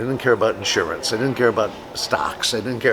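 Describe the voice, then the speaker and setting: A man with an American accent speaks as noticeable background noise plays behind him. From US Northeast (Buffalo, New York). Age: 80s+. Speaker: professor emeritus. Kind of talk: documentary interview.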